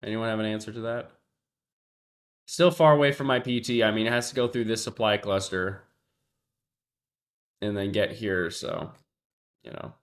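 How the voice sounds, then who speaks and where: Lowish-voiced guy, stuffy nose, rambling to his stream chat at his desk mic. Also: moderate pace, pauses often. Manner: thinks aloud, talks to chat, trails off. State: congested, sniffling. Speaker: livestream trader. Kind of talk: casual livestream commentary.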